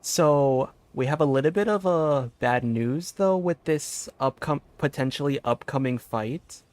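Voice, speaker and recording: A man's voice: mid-range voice, unhurried, no echo. A man streaming a game, commenting casually in a giggly, rambling, self-deprecating way into a headset.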